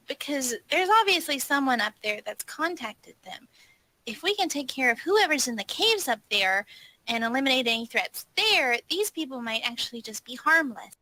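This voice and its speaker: A woman's voice: high-pitched, expressive, moderate pace, pushed and bright, poor audio. A woman playing a tabletop roleplaying game, improvising casual in-character dialogue in a wry way.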